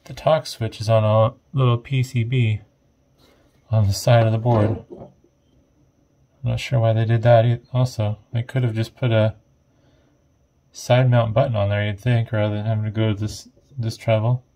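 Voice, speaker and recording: A man giving casual, off-the-cuff narration of an electronics teardown, thinking aloud in a hesitant, low-key way. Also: level tone, normal speed, pauses often, mellow, a little hiss or hum. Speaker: host of an electronics teardown video.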